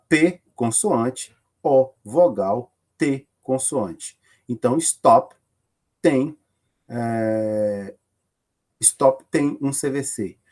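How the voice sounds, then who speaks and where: Brazilian male teacher, husky mid-pitched voice, patient step-by-step explainer. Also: darkish tone. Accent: Brazilian Portuguese. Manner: explains step by step, asks and answers own questions. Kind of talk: recorded classroom lesson.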